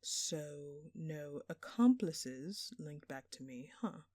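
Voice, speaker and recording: Woman performing a female jewel thief, smug, flirtatious, sarcastic drawl of mockery, relaxed dark tone, close dry audio roleplay sound. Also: low voice, no echo, exaggerated voice. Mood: smug, speculating. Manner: teasing, sarcastic, drawn-out theatrical phrasing. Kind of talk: scripted audio roleplay addressed to the listener.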